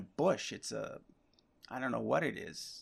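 The speaker has a Canadian accent and a moderate pace. The background is quiet. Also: man. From Nova Scotia, Canada. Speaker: educational YouTuber, history chart maker. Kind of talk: casual interview chat.

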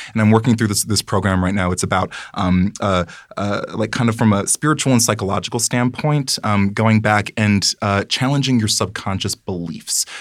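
A man with a fairly low pitch and ordinary pitch variation speaks at a moderate pace in a dry, close sound with no echo. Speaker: actor and podcast guest. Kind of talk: casual chat. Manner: calm, controlled cadence.

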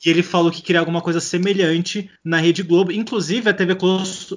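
Speaking at a very fast pace, a man with a high pitch keeps his intonation fairly even. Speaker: podcast host and editor. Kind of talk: casual chat.

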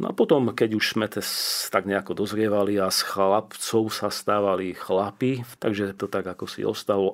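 On a very clean recording with a silent background, a man with a normal speaking voice talks at a moderate pace, fairly low-pitched and with fairly even intonation. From eastern Slovakia, Upper Zemplín. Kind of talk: radio interview testimony. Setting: radio studio.

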